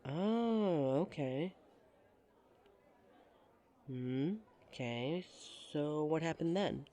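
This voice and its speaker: A woman's voice: deep voice, animated, drawn-out words, dark tone. A woman performing a scripted roleplay monologue to a listener, playful and giggly, with a teasing manner.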